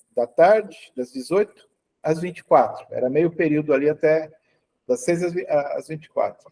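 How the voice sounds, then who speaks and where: A high-pitched man's voice with a dark, mellow tone, dry and close with no echo. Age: 60s. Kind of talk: interview.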